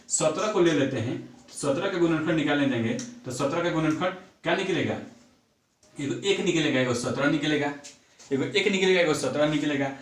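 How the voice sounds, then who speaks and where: A man teaching a math lesson, counting sums aloud and asking himself questions before answering them. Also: fairly high pitch. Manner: repeats numbers aloud while working sums, asks and answers own questions. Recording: echoey room, far from mic.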